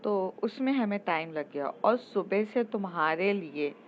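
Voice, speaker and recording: A woman's voice: mid-range voice, lively intonation, a little slow, lo-fi sound, a little hiss or hum, close to an everyday voice. A woman voicing Rohit, a chatty young man who rambles and jokes. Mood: joking. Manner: rambling, joking.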